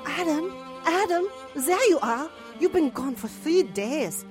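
A woman's voice: sits high, lively intonation, slow pace, a little mellow, soft background music, pitched above the performer's own voice. A woman voicing a fretful woman searching for a missing man in a melodramatic parody audio play. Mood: fretful, exclaiming.

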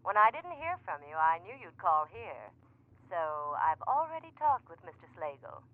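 A woman's voice: mid-range voice, sing-song, moderate pace, no echo. An actress playing a cool, sly female schemer in a 1940s radio crime drama, mocking under polite words. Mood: smugly teasing. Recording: thin, tinny old radio recording.

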